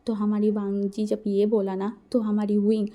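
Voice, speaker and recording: Mellow-voiced woman telling a story casually. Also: mid-range voice, completely flat delivery, normal speed. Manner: chatty, retelling with Hindi-English mixing and filler phrases. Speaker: storytelling channel host. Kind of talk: casual fan-fiction storytelling.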